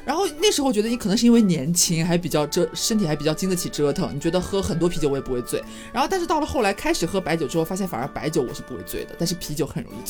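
Male podcast co-host, fast and lively, soft music under him. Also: fairly high pitch. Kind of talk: casual chat.

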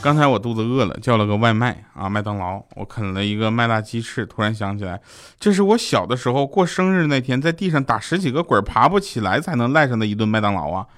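A man's voice: mid-range voice, lively intonation, fast talker, a bit bright. A man hosting a radio show, telling a string of short jokes and acting out quoted voices. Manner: jokey, acts out quoted voices. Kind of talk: comic monologue of jokes.

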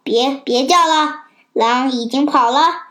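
Child doing a scared little sheep, sobbing, pitiful, high voice. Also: female voice, slow, fairly bright tone.

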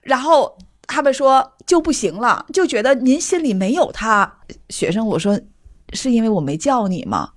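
A woman in her forties, a middle school teacher, telling classroom stories in a podcast chat, laughing often and dropping to a soft low voice when quoting herself. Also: lively intonation, moderate pace, dry recording.

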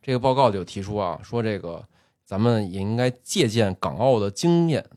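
Male podcast host, low voice, storytelling chat with many fillers, dry sound. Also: expressive, darkish tone, no room sound. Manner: storytelling, drawn-out filler particles. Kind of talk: casual chat.

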